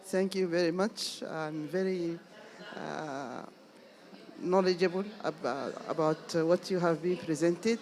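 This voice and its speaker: A woman's voice: fairly low pitch, takes it slowly, darkish tone. A woman from Sudan asking a panel several questions from the floor, hesitant and full of fillers and restarts. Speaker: audience member asking questions.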